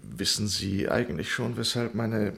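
A man playing a bitter, haughty English gentleman and retired colonel in a radio crime drama, speaking with deliberate sarcasm. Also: lowish voice, expressive, vocal fry, exaggerated voice. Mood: bitter, measured.

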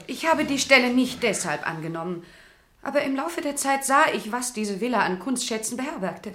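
A woman's voice: fairly high pitch, animated, normal speed, fairly bright tone. A woman playing a cultivated, proud villa employee in a German radio crime play, confessing in an articulate, formal, self-justifying way. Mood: composed, defensive. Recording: roomy, echoing studio sound.

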